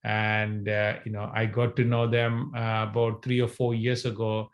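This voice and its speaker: A man's voice: lowish voice, monotone, moderate pace. A man in his forties from northern Sri Lanka, telling his life story to camera with many fillers and restarts, holding a mic at home. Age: 40s. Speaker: entrepreneur sharing his story. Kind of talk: casual talk to camera. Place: home room, indoors. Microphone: handheld mic, webcam framing.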